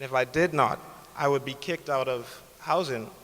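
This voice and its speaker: With a strong Bahamian accent, a man speaks at a moderate pace and with fairly even intonation. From Bahamas. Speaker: graduating student. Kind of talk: commencement speech.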